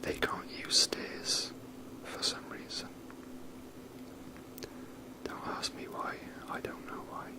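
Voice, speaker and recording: In a gentle, breathy ASMR whisper, a person chats casually and meanderingly about the video game they're playing, never rushing.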